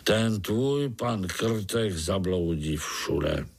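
A man voicing a grumpy old male earthworm who grumbles gruffly. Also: sits low, lively intonation, exaggerated voice.

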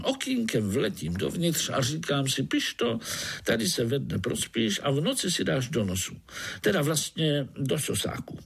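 A man's voice: on the high side, creaky, slightly rough, voice pushed up, heavily acted. A man voicing a boastful, bloodthirsty, jovial male mosquito with a Slovak accent, who keeps calling the listener sonny. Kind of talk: storybook reading.

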